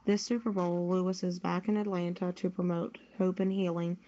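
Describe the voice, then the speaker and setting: A woman's voice: fairly low pitch, flat delivery, moderate pace, warm tone. A woman presenting sports news on a podcast, reading from a script. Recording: dull lo-fi audio.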